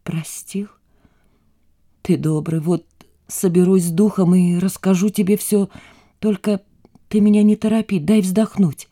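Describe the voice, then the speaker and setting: A woman voicing a weary, distraught mother in an audiobook, her lines going from tired murmurs to shouting. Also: mid-range voice, fairly even intonation, normal speed, natural voice. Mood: hushed.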